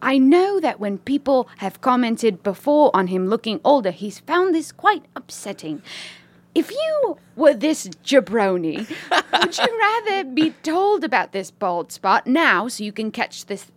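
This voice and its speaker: A woman's voice: high voice, sing-song, a little slow, dry recording. A woman co-hosting a podcast in a casual chat, reading a listener letter aloud and laughing often. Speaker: podcast host.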